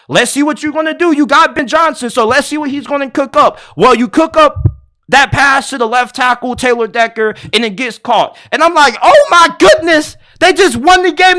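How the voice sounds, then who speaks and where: High bright voice, guy ranting about football, super hyped and slangy. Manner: animated, excitable, colloquial. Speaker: sports commentator. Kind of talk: casual sports opinion monologue.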